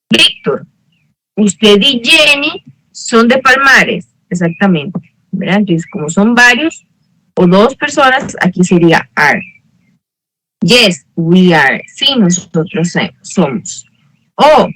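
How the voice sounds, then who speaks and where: A woman's voice: mid-range voice, a bit bright, no room sound, low-quality recording. A woman teaching an English lesson online, explaining patiently, checking in with her students and correcting herself as she goes. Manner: corrects herself mid-sentence.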